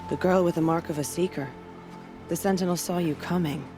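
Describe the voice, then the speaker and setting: A woman playing a solemn, cautious tribal leader in a video game, speaking in a measured, serious way. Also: on the low side, fairly even intonation, music in the background, close to an everyday voice.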